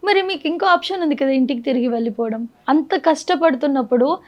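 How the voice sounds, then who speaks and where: Woman interviewer, high and quick, brisk questions, dull lo-fi sound. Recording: dull lo-fi recording.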